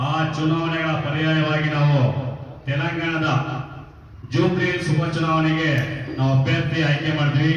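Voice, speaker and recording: A man, a party president, addresses reporters at a press conference in a halting, formal manner, pausing often on filler phrases. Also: on the high side. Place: press club hall. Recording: echoey hall, voice from far off.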